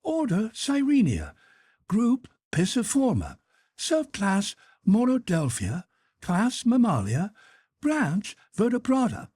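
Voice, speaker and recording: A man's voice: high-pitched, wildly swooping pitch, slow, a little mellow, slightly rough, dry recording, clean studio sound, pitched above the performer's own voice, heavily acted. A man voicing a polite, pedantic manservant who speaks earnestly and precisely in an audiobook. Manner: precise, deferential, reciting classifications.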